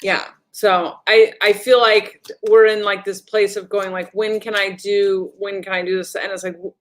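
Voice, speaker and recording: A woman's voice: medium pitch, little pitch movement, normal speed, slight background noise. A woman giving a casual livestream energy update as a spiritual channeler. She rambles and swears bluntly while reading viewer comments. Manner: reads viewer comments aloud.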